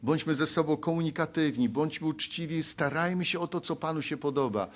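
Talking a little fast, a man from Poland delivers a sermon full of pleading and exhortation. His voice shifts from loud appeals to quiet, low passages, and he reads scripture aloud.

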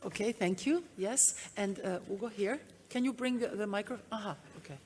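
A woman's voice: mid-range voice, moderate pace, a little mellow. A woman informally moderating a conference session and handing turns to speakers. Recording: slightly noisy conference room.

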